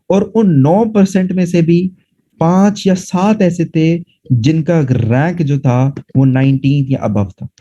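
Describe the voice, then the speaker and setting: A man's voice: fairly high pitch, warm tone, lo-fi sound. A man teaching a classroom lecture, explaining step by step and often checking that students follow. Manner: explanatory, asks students rhetorical check questions. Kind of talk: classroom lecture mixing Urdu and English.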